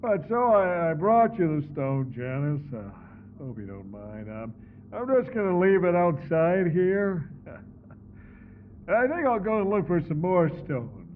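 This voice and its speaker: An actor playing an awkward, lovestruck, simple wanderer in a comedy audio drama, halting and bashful as he rambles. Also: high-pitched, very animated, phone-quality sound, slight background noise. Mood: bashful, smitten. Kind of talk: post-apocalyptic comedy audio drama acting.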